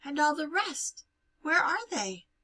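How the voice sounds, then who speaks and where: An anxious young bride in a novel, voiced by a woman, superstitious and plaintive. The voice is bright and tense, lifting high as she frets. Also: sing-song, slow pace, full character voice.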